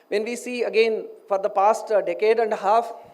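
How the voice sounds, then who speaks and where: His pitch runs high for a man. He talks at a fairly quick pace. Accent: Indian. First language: Tamil. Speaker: yoga scholar. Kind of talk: panel talk. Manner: halting, many fillers.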